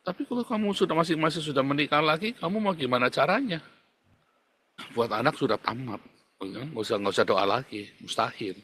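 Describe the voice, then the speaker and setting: A male pastor preaching a sermon with emphatic delivery, often addressing listeners as brothers and sisters, swinging between loud outbursts and low, quiet lines. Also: animated, brisk, a little hiss or hum.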